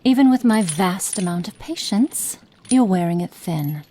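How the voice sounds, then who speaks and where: A cruel, cold witch, as a woman plays her in an ASMR roleplay, slow and menacing. Her voice sits a little low and she draws every word out. She slips into hushed whispers between threats. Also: animated, slight background noise. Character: cruel, cold female witch experimenting on a captive.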